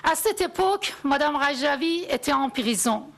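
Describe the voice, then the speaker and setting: A woman in her forties from Iran, speaking, giving a prepared first-person testimony in a measured, solemn way. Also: high-pitched, expressive, creaky, a bit bright. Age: 40s. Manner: measured, solemn, deliberate phrasing.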